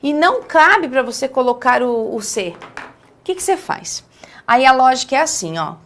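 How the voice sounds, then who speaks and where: High-voiced Brazilian woman teaching emphatically. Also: very animated, fairly bright tone. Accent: Brazilian Portuguese. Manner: emphatic, stretches key words slowly; checks in with the listener often. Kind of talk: classroom lesson on essay writing.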